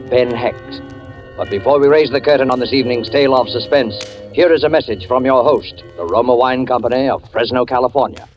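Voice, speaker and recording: A man hosting a 1940s radio suspense series, introducing the evening's play in a formal, solemn manner. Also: medium pitch. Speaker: series host. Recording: dull old radio broadcast.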